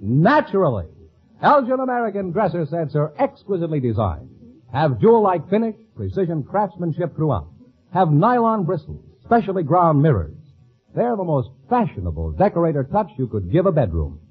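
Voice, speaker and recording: A man's voice: fairly high pitch, very animated, normal speed, slightly rough. A man working as a radio announcer, reading in a polished, salesmanlike mid-century style. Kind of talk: 1950s radio announcing and sponsor copy. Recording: muffled vintage radio recording, faint music.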